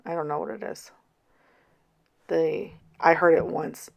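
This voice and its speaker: A hoarse woman in her thirties chats in a rambling, tired way at home. Her low voice is scratchy and gravelly, cracking as it fades. She sounds worn out but keeps talking. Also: fairly even intonation, unhurried, dull audio. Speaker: vlogger. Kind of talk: casual planner vlog chat.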